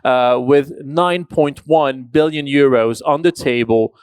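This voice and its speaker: A man's voice: mid-range voice, darkish tone, smooth, dry recording. French-accented man giving a conference talk. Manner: plain, explanatory, with frequent "uh" pauses. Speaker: conference speaker. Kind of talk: conference presentation.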